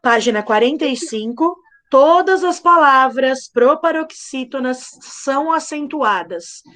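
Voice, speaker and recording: A young woman teaching a live online class to children, patient and playful, slowly spelling things out. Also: high voice, animated, a bit bright. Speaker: primary school teacher.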